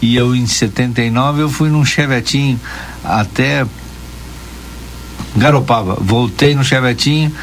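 A man's voice: medium pitch, a little slow, long pauses, a little hiss or hum. A man in his fifties from Rio de Janeiro who has long lived in southern Brazil, telling rambling nostalgic anecdotes in a casual radio chat. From Rio de Janeiro, Brazil, living in Rio Grande do Sul.

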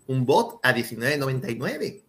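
A man's voice: medium pitch, sing-song, moderate pace, a loud crowd. A man talking casually as a podcast panelist. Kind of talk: casual chat.

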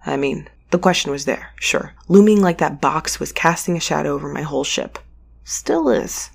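A woman playing an anxious, stubborn, sharp-tongued space courier in an audio drama, talking in a halting, wry, conversational way. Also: low voice, vocal fry, breathy edge, heavily acted. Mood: wry, confiding. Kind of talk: audio drama acting with confiding narration.

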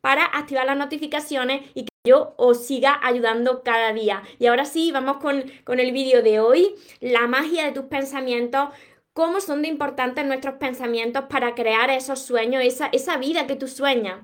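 A woman's voice: high voice, steady tone, normal speed. A woman from Córdoba with an Andalusian accent, giving an earnest, encouraging motivational talk to her viewers on a live stream. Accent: Andalusian Spanish. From Córdoba, Andalusia, Spain. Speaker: motivational content creator and author.

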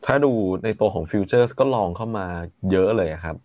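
A man's voice: lowish voice, moderate pace, no echo, phone-quality sound. A man co-hosting a casual market talk show, rattling off stock figures and tickers. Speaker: market analyst co-host.

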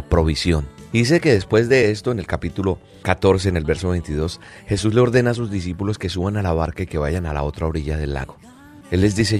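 A man's voice: deep voice, a little mellow. A man giving a devotional reflection on a Bible passage, speaking earnestly and addressing the listener directly. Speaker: preacher.

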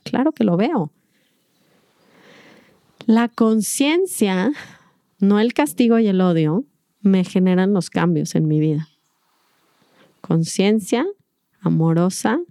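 A woman's voice: lowish voice, gravelly, dark tone, no room sound, clean studio sound. A middle-aged woman gives a reflective, earnest talk to an audience about mindful parenting, acting out little dialogues as she goes.

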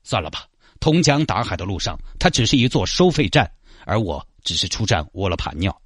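A man's voice: lowish voice, sing-song, brisk, husky, no room sound, studio quality. A man with a Sichuanese accent telling a comic story, sliding into mock-solemn, pseudo-poetic recital.

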